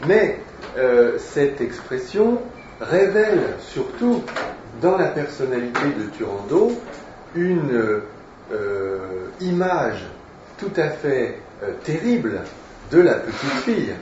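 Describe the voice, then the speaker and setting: A male teacher giving a literature lecture, explaining at a slow, hesitant pace with frequent fillers. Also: mid-range voice, very animated, noisy background. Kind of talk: literature lecture, reading aloud. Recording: echoey room, distant mic, dull sound.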